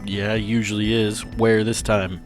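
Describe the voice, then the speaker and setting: Low-voiced man playing a tabletop game. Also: flat delivery, a little slow, over music. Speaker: tabletop roleplay player. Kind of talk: casual improvised roleplay chat.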